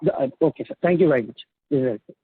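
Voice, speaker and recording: A man with an Indian accent asking questions as an analyst on an earnings call, halting and often rephrasing himself. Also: mid-range voice, expressive, breathy edge. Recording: narrowband phone line.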